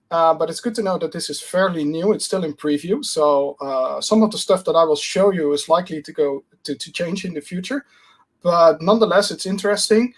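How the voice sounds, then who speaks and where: Man, slightly high voice. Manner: hesitant, many fillers and restarts. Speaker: guest speaker. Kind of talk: conference talk, casual.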